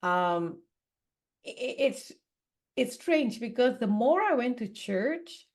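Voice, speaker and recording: On a podcast, a woman from Singapore recounts her life in a candid, wandering, chatty way, frequently using "you know" and "like." Her voice is a little high and very animated, and she takes her time speaking.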